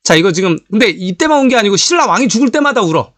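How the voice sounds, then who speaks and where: A man delivers a history lecture in a lively, sweeping voice that sits a bit high for a man. He talks straight to his audience and leans on rhetorical questions to drive home his points. The recording is dry and close, with no room sound. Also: racing, dry recording. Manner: animated, rhetorical questions, addresses viewers directly.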